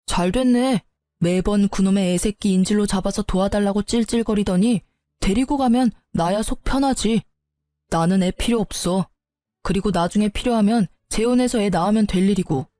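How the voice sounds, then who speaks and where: A woman's voice: medium pitch, moderate pace, mellow, no room sound, natural voice. A woman voicing a resentful young husband who argues back with sneering, defensive retorts in a storybook narration. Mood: scornful. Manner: argumentative, sneering.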